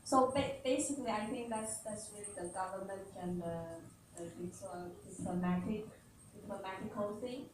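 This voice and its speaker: A woman's voice: mid-range voice, normal speed, hardly any pauses. A woman speaking for a company answers press questions hesitantly, often searching for words. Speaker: company representative. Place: large event hall. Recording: echoey hall, distant mic, ambient noise.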